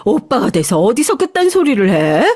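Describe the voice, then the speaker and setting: A woman's voice: mid-range voice, moderate pace, no room sound, studio quality, lightly acted. A woman voicing a fierce, protective middle-aged mother who stands up for her daughter. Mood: indignant. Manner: shouting, indignant.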